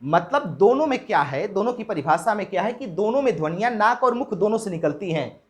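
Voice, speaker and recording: A man giving a Hindi lesson in lecture style, asking his own questions and answering them, pausing to check in after each point. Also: sits high, very animated. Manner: drills example words slowly one by one. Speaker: Hindi teacher.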